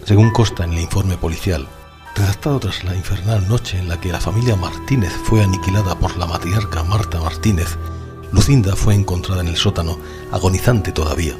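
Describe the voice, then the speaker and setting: Guy as grave horror narrator, really low voice, music behind, reads like a grim report. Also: brisk, natural voice. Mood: grave, macabre.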